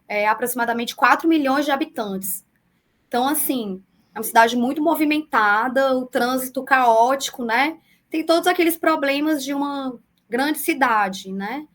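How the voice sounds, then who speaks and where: A woman in her forties talks over a video call with a high, light voice. Her Brazilian accent blends the far south with the northeast. She explains things at a measured pace, dropping small fillers along the way. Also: fairly bright tone. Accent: mixed southern Brazilian and northeastern Brazilian Portuguese. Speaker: public defender. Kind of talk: remote interview answers.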